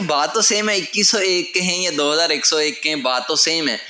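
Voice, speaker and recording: A man teaches patiently, walking through each step and repeating key phrases. His voice sits a little high and sounds very bright. It is recorded in an echoey room. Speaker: language teacher. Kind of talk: whiteboard lesson explanation.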